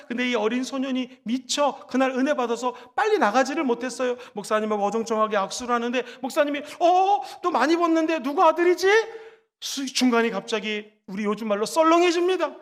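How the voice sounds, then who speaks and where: A very high-pitched man preaches a sermon in a church sanctuary. He slips into animated voices when acting out quoted lines. His voice rings out with long hall reverb. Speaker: pastor.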